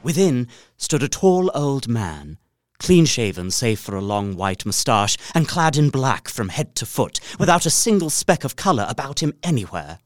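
A man's voice: mid-range voice, sing-song, moderate pace, no room sound, natural voice. An actor playing an earnest young solicitor, narrating his journey formally in a dramatised Gothic story. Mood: uneasy, awed. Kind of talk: dramatic first-person literary narration.

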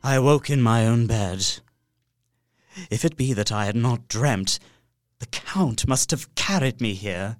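A man's voice: medium pitch, expressive, unhurried, no echo, lightly acted. An actor playing a horrified young solicitor, narrating his journal in an earnest, formal way for a radio play. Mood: shaken. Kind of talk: dramatic first-person narration, radio play.

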